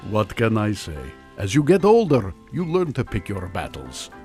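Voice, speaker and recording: Nonchalant older villain, retired mad scientist: dry wit, hugely animated pitch, radio comedy with music underneath. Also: male voice, moderate pace. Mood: dry nonchalance. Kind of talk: comedic radio drama acting. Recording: music behind the voice.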